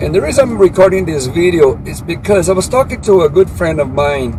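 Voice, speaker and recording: Through noticeable background noise, a man with a Brazilian Portuguese accent talks at a moderate pace. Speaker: field engineer. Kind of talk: casual vlog monologue. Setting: in a car. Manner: hesitant, many fillers.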